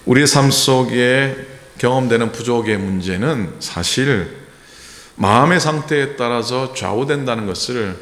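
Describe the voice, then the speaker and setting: A pastor from the Gyeongsang region, a man preaching a sermon earnestly, rising in emphasis and pausing with hesitant fillers. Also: mid-range voice, fairly bright tone. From Gyeongsang, South Korea. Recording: echoey church hall.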